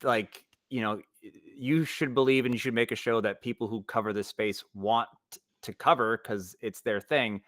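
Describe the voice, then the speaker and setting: A man's voice: mid-range voice, fairly even intonation, a bit bright, no echo, clean studio sound. A man chatting as a panelist, restarting his thoughts over and over as he makes a point. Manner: halting, restarts thoughts repeatedly. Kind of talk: casual panel discussion.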